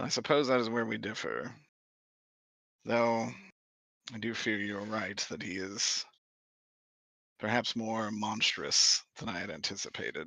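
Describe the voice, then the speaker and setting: A man speaks in a put-on character voice, raspy and at a medium pitch. His pace is moderate, broken by long, frequent pauses. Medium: actual play. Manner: formal, measured.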